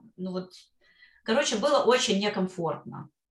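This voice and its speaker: Her intonation is lively and her delivery somewhat breathy. This woman keeps a moderate pace. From Russia, Kostroma. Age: 50s. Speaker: speech therapist and women's coach. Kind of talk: interview conversation.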